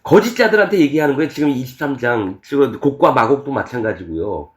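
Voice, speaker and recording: Animated male pastor preaching in an echoey church. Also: medium pitch, fast. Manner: animated, acts out scripture voices with laughs and shouts. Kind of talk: sermon.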